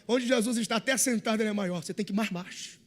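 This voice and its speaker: Male pastor with a Brazilian accent and a very high voice, preaching a sermon with loud bursts and soft asides. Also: fast. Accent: Brazilian Portuguese. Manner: animated, swings from hushed to shouting; informal, slangy asides to the congregation.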